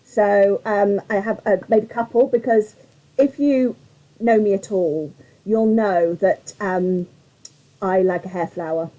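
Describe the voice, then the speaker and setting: Mellow, slightly croaky woman. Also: medium pitch, a little slow, lo-fi sound. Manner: rambling and chatty, greets viewers by name. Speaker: craft tutorial host on a live stream. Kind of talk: chatty live craft demonstration.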